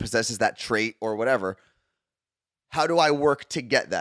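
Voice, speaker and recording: Speaking at a fairly quick pace with a New Jersey accent, a man at a medium pitch uses lively intonation, recorded very cleanly with a silent background. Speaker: podcast co-host. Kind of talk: casual chat.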